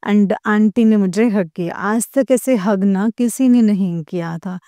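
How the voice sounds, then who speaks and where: A young woman earnestly shares a heartfelt devotional testimony with fellow believers, full of emotion and quoted back-and-forth. Her mid-range voice is a little slow with a dark tone, recorded with clean studio sound and no echo.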